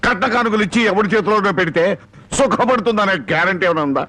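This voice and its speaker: A man's voice: high voice, fast talker, sharp tone, low-quality recording. An actor playing a domineering village headman who threatens an outsider, in a film soundtrack with music behind. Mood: threatening. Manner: threatening, commanding.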